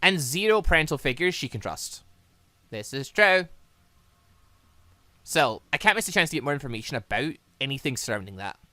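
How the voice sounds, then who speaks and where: A man's voice: mid-range voice, very animated, moderate pace, long pauses, sharp tone, no echo. A man giving casual, rambling let's-play commentary on a visual novel, chatting and reading dialogue aloud as the channel's host.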